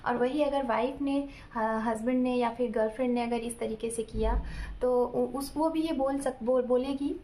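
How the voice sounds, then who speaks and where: High-pitched lady tarot reader chatting advice to viewers, lots of examples, keeps checking in. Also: steady tone, normal speed, mellow, a little hiss or hum. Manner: explains with everyday examples, often checks in with "ठीक है"; addresses viewers directly. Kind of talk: casual relationship advice talk.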